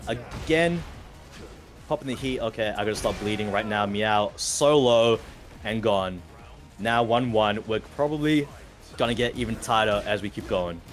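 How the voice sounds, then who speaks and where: A man with an Australian accent giving play-by-play and analysis of a fighting game, steady and analytical, lifting with excitement on big moments. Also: lowish voice, moderate pace, soft background music. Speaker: esports caster.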